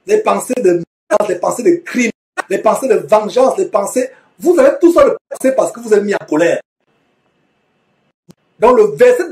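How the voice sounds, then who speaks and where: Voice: high-pitched, a little mellow. A preacher teaching verse by verse from the Bible, reading each passage aloud and then explaining it with repetition and frequent self-corrections.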